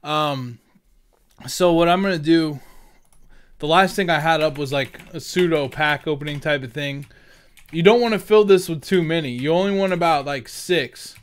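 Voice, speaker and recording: A man with a fairly high, very clean and smooth voice talks through an on-screen tutorial. He is informal and rambling, thinking aloud as he works, like a gaming creator showing how things are done. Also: moderate pace. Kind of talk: casual screen-recorded tutorial narration. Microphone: headset.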